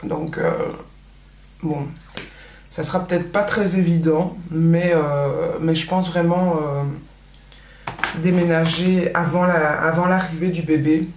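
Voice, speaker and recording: A woman's voice: low voice, steady tone, slow, reverberant, slight background noise. A woman in her thirties from Belgium, Dutch her first language, chatting casually with a Belgian French accent, full of fillers and restarts. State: pregnant. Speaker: vlogger. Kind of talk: casual chat while doing makeup.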